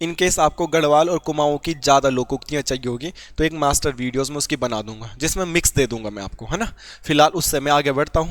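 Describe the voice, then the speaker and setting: The speaker has a Garhwal accent and a moderate pace. Pitch varies in an ordinary way. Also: man, fairly high pitch for a man. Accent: Garhwali-accented Hindi. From Garhwal, Uttarakhand. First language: Garhwali (speaking Hindi). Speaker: exam-prep teacher. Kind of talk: online class lecture. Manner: conversational, with fillers.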